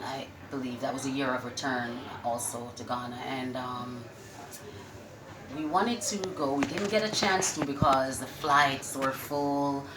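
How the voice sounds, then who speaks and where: A woman answers interview questions. She tells her story casually, in an echoey space with clear background noise behind her. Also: a bass voice, a little slow. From Jamaica. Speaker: restaurant owner, interview guest. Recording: echoey room with loud-ish background noise.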